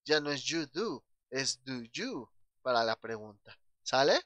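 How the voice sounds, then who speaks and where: A man's voice: medium pitch, big pitch swings, unhurried, fairly bright tone, no echo. A man with a Mexican Spanish accent teaching an English grammar lesson, patient and checking in often with his class.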